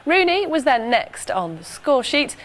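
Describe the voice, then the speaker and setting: A woman presenting regional morning news in a steady, formal scripted reading. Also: high-pitched, unhurried.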